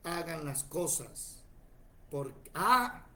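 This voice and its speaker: Preacher, male, forties, voice sits a bit high, animated storyteller who acts out the people in his stories. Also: drawn-out words. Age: 40s. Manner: animated, tells stories acting out other voices. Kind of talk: sermon with personal stories. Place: church.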